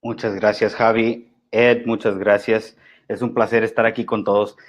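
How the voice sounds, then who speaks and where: A man with a Mexican Spanish accent talks through network security in a webinar, sitting a little low in pitch. He speaks haltingly, with many fillers, restarts and little checks for agreement. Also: little pitch movement. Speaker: guest security expert. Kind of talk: webinar talk.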